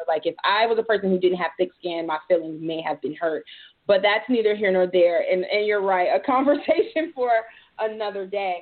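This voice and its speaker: A woman with an American accent speaks at a moderate pace and medium pitch in an unremarkable speaking voice, her intonation lively. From Detroit, US. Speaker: podcast host interviewer. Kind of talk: casual interview.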